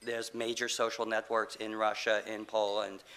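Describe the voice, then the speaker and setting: A man's voice: fairly low pitch, level tone, moderate pace, a bit bright, clear, resonant tone. A middle-aged man getting over a cold, giving a conference presentation with many fillers and restarts. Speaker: conference speaker, game company CEO.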